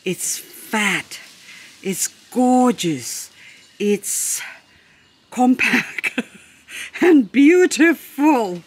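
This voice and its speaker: A woman's voice: on the high side, very animated, very slow, long pauses, breathy edge. A woman vlogger chatting casually about her plants, gushing and admiring, with a playful, chatty way of talking. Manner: playful, jokes with herself. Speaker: succulent-growing vlogger. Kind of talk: casual show-and-tell chat.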